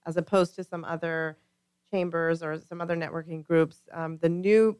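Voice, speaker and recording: A woman's voice: fairly low pitch, steady tone, normal speed, a little mellow, clean tone, dry recording, clean studio sound. A woman speaking as an interview guest in a casual, agreeable, conversational way. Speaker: guest, eye clinic business representative.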